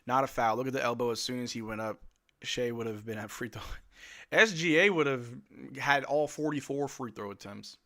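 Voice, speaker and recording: A man hosting a live watch-along stream, giving play-by-play commentary and joking reactions as an excitable fan talking to his chat. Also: mid-range voice, normal speed. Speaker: livestream host.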